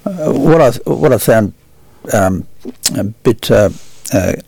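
A man co-hosting a radio show, speaking haltingly with many repeated words and fillers. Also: mid-range voice, lively intonation, gravelly, warm tone, slightly rough, no room sound. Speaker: radio co-host. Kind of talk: radio panel discussion. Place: radio studio.

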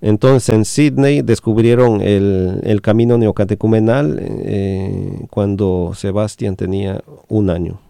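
Slow gravelly-voiced man, hesitant host. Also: lowish voice, steady tone, dark tone, no room sound, studio quality. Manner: many fillers and restarts, slow and halting. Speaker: radio host and interpreter. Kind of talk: hesitant radio talk.

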